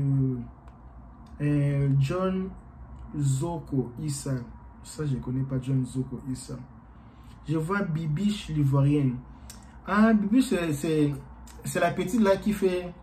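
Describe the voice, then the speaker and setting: A man whose first language is Portuguese, talking casually to his viewers as a YouTuber in a rambling, halting way with many fillers. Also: on the high side, warm tone, slight background noise, low-quality recording.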